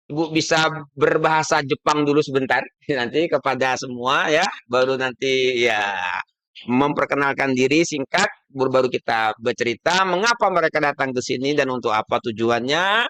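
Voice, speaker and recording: A man's voice: mid-range voice, moderate pace, fairly bright tone. A man hosting an informal live stream, chatty and often echoing what his guests say. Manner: chatty, repeats guests' words. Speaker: host.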